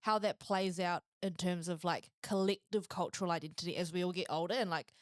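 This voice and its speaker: Low-voiced New Zealand woman host. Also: fairly even intonation, brisk, dry recording, studio quality. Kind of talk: casual podcast conversation.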